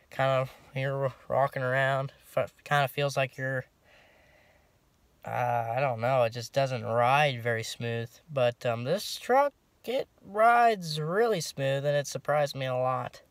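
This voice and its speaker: A young man in casual vlog talk, filming himself on a phone at arm's length in a pickup cab, relaxed and rambling with lots of ums and restarts. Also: medium pitch, clear, resonant tone, no echo. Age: young adult. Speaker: farm vlogger. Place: inside a pickup truck cab and outdoors around it. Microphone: phone held at arm's length.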